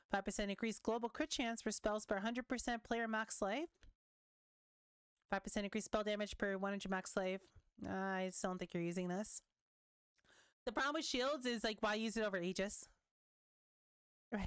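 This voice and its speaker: A young woman giving casual commentary while reading patch notes, chatty and quick to react, swearing now and then, her voice wearing thin. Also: mid-range voice, clear, resonant tone, no room sound. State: losing her voice. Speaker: gaming content creator.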